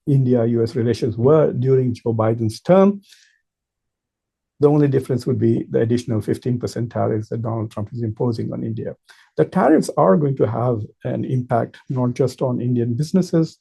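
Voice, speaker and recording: A man speaks as an informal commentator, laying out his argument step by step with emphasis. His voice is very dark and mellow, with a husky grain and plenty of gravelly creak. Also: mid-range voice. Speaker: political commentator and professor. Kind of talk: informal political commentary to camera.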